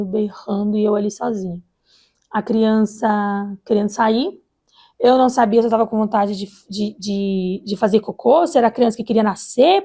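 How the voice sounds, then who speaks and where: Gravelly woman telling her life story. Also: a little high, mellow. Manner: halting, many restarts and tag questions. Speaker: interviewee. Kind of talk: personal life testimony.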